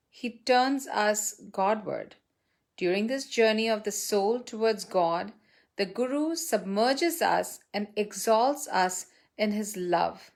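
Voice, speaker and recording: A woman reading a written devotional testimonial aloud in a reverent, measured way, phrase by phrase with pauses. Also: medium pitch.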